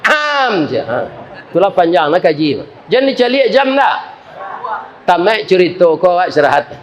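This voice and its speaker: A man with a Minangkabau accent preaching a humorous sermon, telling a story and making joking asides to the congregation. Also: high voice.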